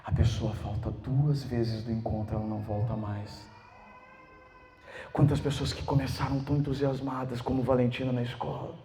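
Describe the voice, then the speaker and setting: A man, a pastor preaching a sermon, telling a personal story in an animated way. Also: medium pitch, moderate pace, faint music behind.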